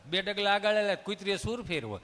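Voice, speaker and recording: A man's voice: high-pitched, lively intonation, fairly quick, fairly bright tone, long reverb tail, soft background music. A man with a Kathiawadi Gujarati accent telling folksy comic stories on stage, chatty and acting out the dialogue. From Dhari area, Saurashtra, Gujarat. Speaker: stand-up comic storyteller. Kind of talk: live comic storytelling on stage.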